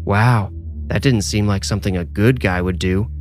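A man's voice: medium pitch, brisk, soft background music, voice pushed up, close to an everyday voice. A man voicing a hot-tempered teenage girl who turns sarcastic and aggressive. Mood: angry. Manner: sharp, sarcastic, yelling.

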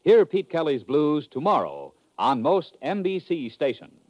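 An American man delivers a punchy vintage network radio promo. His voice is a little high and swings dramatically, recorded dry with faint music behind him. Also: sing-song, measured pace, a little mellow, lo-fi sound. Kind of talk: 1950s radio promo announcing.

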